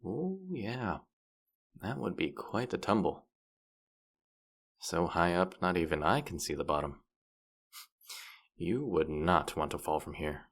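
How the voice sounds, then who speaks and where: A man's voice: sits low, lively intonation, slow, gravelly, long pauses, heavily acted. A man playing a playful, boastful demon guide to the afterlife in a roleplay audio drama, with a smug, teasing, theatrical delivery. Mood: taunting, amused.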